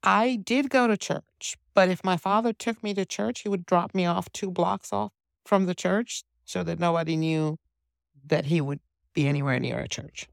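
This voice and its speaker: Low, gravelly woman with Romanian accent. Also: normal speed, dry recording, clean studio sound. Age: 50s. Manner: earnest, steady storytelling with small restarts. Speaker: guest. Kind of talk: conversational interview.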